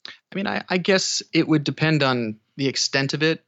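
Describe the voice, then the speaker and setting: Bright-voiced man chatting in an interview. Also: a little high, expressive, moderate pace, creaky, dull audio. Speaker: audiobook narrator, podcast guest. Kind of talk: casual interview conversation.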